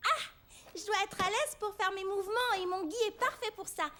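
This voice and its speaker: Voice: very high-pitched, brisk, bright, forceful tone. An actor voicing a confident, chatty, proud little girl in a children's cartoon, explaining things assuredly.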